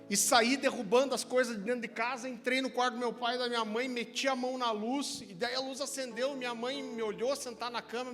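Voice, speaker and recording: A man with a Brazilian accent preaching a sermon, telling a personal testimony in an animated, chatty way. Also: high voice. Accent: Brazilian Portuguese. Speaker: pastor. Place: church sanctuary. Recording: church hall reverb with music.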